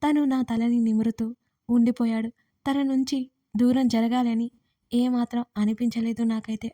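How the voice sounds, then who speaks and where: Casual: woman telling a love story in first person, soft and intimate, kinda high but mellow. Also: dry recording, clean studio sound. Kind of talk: first-person romance audio story narration.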